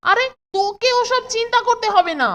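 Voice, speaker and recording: A woman's voice: extremely high pitch, fairly quick, a bit bright. A woman voicing an eager, bossy, impatient young boy in a children's cartoon.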